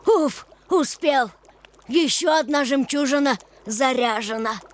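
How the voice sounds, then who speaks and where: High-voiced little cartoon house spirit. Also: female voice, slow. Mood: relieved, confident. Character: small hurried house spirit, helpful and bossy. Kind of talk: animated fairy-tale character acting. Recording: music behind the voice.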